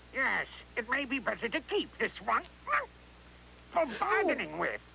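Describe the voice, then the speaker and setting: The speaker uses a cartoonish character voice at a high pitch. Clear background noise runs throughout. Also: moderate pace. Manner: wary, doubtful.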